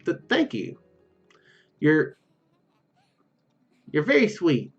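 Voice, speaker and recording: A man's voice: on the high side, wildly swooping pitch, drawn-out words, muffled recording, soft background music, heavily acted. A man voicing a shy, kind young female mage from a visual novel, speaking hesitantly and earnestly. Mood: shy, caring.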